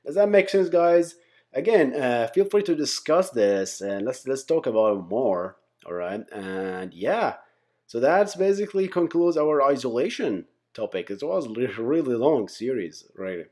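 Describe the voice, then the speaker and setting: A man presents an informal software lesson in a conversational way. His pitch moves around a lot, giving an animated delivery, while the tone stays relaxed and mellow. He often tags his points with quick check-ins to the listeners. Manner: conversational, often checks in with "right?", "okay?", "guys". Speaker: software engineering instructor, channel host.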